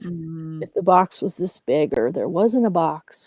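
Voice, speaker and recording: This woman has an American accent and fairly low pitch. It is a normal speaking voice with ordinary pitch variation, heard in a dry, close sound with no echo. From United States. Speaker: podcast host. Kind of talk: podcast conversation.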